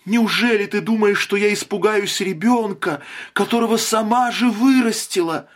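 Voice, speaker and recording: A man voicing a grief-stricken old woman who pleads in shrill, frantic cries. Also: normal speed. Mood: desperate. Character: grief-crazed old mother, frantic and desperate.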